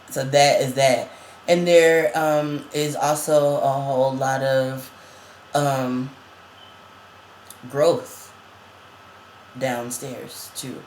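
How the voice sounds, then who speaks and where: A man's voice: mid-range voice, echoey room, slight background noise, rough recording. Chatty trans man with a cracking voice. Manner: chatty, laughs often, many fillers. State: voice cracking, going up and down. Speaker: vlogger. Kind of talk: casual chat.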